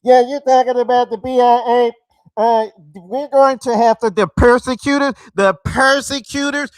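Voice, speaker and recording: A man's voice: extremely high pitch, steady tone, normal speed, clear, resonant tone, no room sound, voice pushed up, low-quality recording. A man doing a mocking impression of a self-important male rival who rambles and trips over his words. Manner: loud, stumbling over words.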